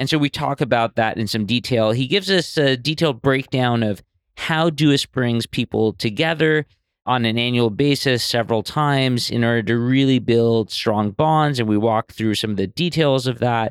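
An unremarkable speaking voice, a man at a moderate pace with medium pitch, ordinary pitch variation, and very even loudness, dry and close with no echo, on a very clean recording with a silent background. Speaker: podcast host and software CEO. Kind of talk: podcast interview, intro and questions.

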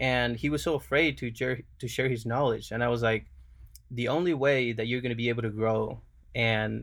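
A man with a Uruguayan accent speaks at a medium pitch. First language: Spanish. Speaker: video production business owner. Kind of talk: casual interview. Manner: halting, with repeated words and fillers.

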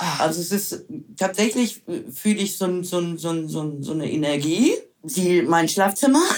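Over noticeable background noise, a woman talks fairly slowly in a fairly low pitch with lively intonation. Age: 60s. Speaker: patient with bipolar disorder. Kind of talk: interview. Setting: in person, seated together. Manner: halting, repeats words.

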